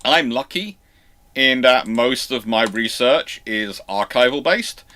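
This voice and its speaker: A man hosting an unscripted livestream, answering questions in a halting, rambling way with repeated and restarted phrases. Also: medium pitch, expressive, pushed and bright. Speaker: host of a naval history livestream.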